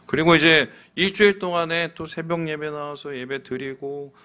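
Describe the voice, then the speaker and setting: A middle-aged man preaching a sermon as pastor, lively and acting out quoted voices. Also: on the high side, normal speed, clean tone.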